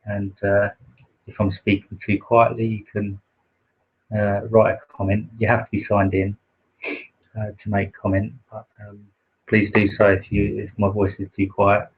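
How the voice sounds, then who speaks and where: A soft-spoken man with a naturally quiet voice, hosting a livestream and slowly reading a spiritual text, with many pauses and fillers. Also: lowish voice, monotone, slight background noise. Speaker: livestream host reading aloud. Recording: dull lo-fi livestream audio.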